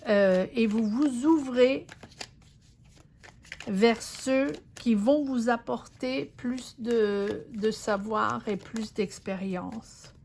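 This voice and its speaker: A woman's voice: a little high, extremely slow, vocal fry, darkish tone, a little hiss or hum. A woman giving an intuitive tarot reading, speaking to the viewer in a hesitant, reassuring way, with many fillers and restarts. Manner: reassuring, addresses the viewer directly. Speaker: tarot reader.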